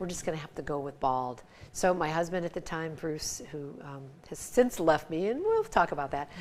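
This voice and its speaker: A woman with a Midwestern American accent and a fairly low pitch speaks with lively intonation over noticeable background noise. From northeast Ohio. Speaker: author. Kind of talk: interview. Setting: studio. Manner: fast; animated.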